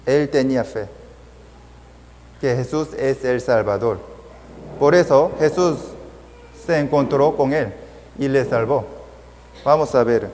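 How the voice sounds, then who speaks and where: A man's voice: mid-range voice, takes it slowly, pauses often, darkish tone, a little hiss or hum. A man teaching a Bible study lesson, repeating points and checking his listeners with questions. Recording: long hall reverb.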